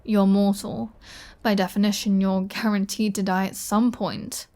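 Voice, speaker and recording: A woman acting as a flirty vampire who takes her time with every line. She is teasing and dryly sardonic, with a bossy streak, at a middling feminine pitch. The style is close, intimate ASMR roleplay drama. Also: level tone, measured pace, darkish tone, close to an everyday voice. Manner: playful, teasing, dry, bossy.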